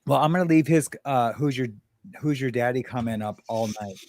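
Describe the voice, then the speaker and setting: A man's voice: mid-range voice, a little fast, darkish tone. A man co-hosting a casual livestream chat, rambling with frequent laughs, fillers and restarts. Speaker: livestream co-host.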